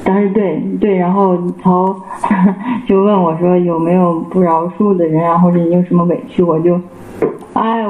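Halting man recounting his testimony. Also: high voice, phone-quality sound. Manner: halting, repeats words and phrases, many fillers. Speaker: church member giving testimony. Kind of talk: casual spoken personal testimony. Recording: roomy with faint background noise.

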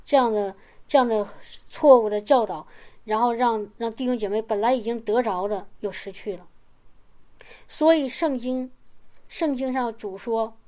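A woman's voice: on the high side, moderate pace, mellow. A woman preaching a sermon in an earnest, repetitive way, often asking the congregation if they understand.

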